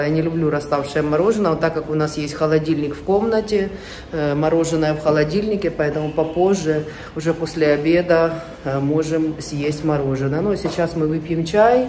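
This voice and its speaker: Light background noise sits under speech at a moderate pace with ordinary pitch variation. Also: woman. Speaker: vlogger. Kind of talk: casual vlog chat. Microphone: phone near.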